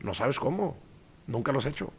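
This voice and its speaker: A man with a Mexican accent, a guest actor in a casual interview, telling animated stories and acting out quoted voices. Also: mid-range voice, moderate pace, husky.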